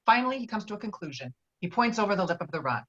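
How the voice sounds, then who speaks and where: A woman's voice: medium pitch, sing-song, racing, a bit bright. A woman reading stage directions as the narrator of a virtual table read. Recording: dull, lo-fi online call.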